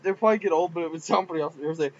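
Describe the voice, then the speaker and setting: A man's voice: fairly high pitch, rapid-fire, dull audio, slight background noise. A man casually commenting on his own game files, rambling and giggly. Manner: rambling, giggly, self-mocking. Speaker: game modder.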